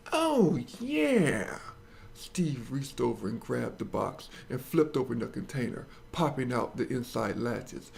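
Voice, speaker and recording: A man's voice: medium pitch, gravelly, a little mellow. A man hosting and narrating a dramatized comic story in a crude, sarcastic, mock-dramatic way. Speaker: host and storyteller.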